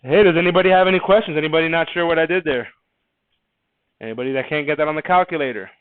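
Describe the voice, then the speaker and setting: Here the math teacher's voice is a little high and rapid-fire, with a clean tone and no echo. He goes over quiz answers in a chatty, casual classroom lesson, restarting and repeating words as he thinks, on a dry, phone-like narrow recording.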